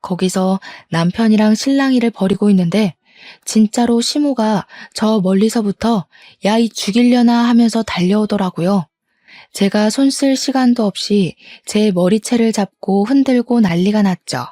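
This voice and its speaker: A woman in her thirties tells her own story in an indignant, vivid way. Her voice is mellow and dark, and the sound is dry and close. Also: medium pitch, moderate pace, dry recording. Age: 30s. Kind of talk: first-person story narration.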